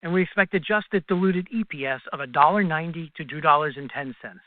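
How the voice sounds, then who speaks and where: A fairly high-pitched male finance executive speaks over a thin, phone-like connection. He reads a scripted financial presentation in a formal, measured manner, as on an earnings call. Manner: formal, measured reading of prepared remarks. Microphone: conference call line. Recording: tinny, dry phone conference line.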